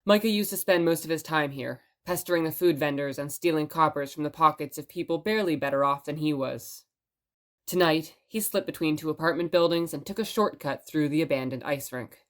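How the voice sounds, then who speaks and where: Low-voiced woman radio storyteller, played by an actress. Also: fairly quick, lightly acted. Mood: measured storytelling. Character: chatty, playful radio station host telling stories. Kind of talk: audio drama radio broadcast and scripted narration.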